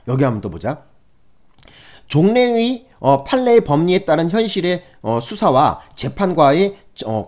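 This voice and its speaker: A middle-aged man with a slightly high, darkish-toned voice lectures exam candidates on criminal law. His style is conversational, full of fillers and frequent checks that listeners agree.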